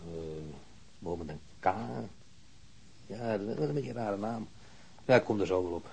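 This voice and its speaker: A man playing a grumbling wounded policeman in a radio drama, halting and repeating himself. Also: on the low side, expressive, mellow, slightly rough. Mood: halting, searching. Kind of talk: naturalistic radio drama acting.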